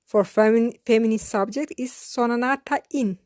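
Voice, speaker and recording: A woman teaching a beginner lesson in a slow, scripted way, spelling out each phrase carefully and repeating it. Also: a little high, a little mellow, no room sound, clean studio sound. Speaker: language teacher.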